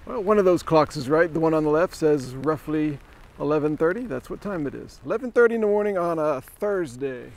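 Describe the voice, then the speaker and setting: Talking to his handheld camera at arm's length, this middle-aged travel vlogger narrates casually as he wanders rainy town streets and a shop. His voice is a little high and darkish, animated and a bit quick, peppered with wry remarks for the viewer.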